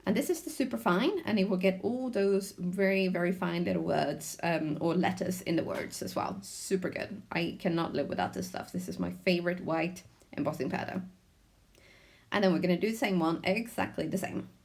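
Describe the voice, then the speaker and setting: A woman narrating a card-making tutorial in a chatty, relaxed way, with frequent ums. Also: lowish voice, normal speed, gravelly. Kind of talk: crafting tutorial voice-over.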